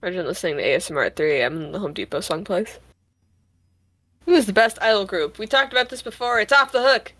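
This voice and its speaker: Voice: mid-range voice, quick pace, bright, forceful tone, no room sound. A co-host chatting casually on a stream, rambling with lots of filler words and wry jokes. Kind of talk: casual chat.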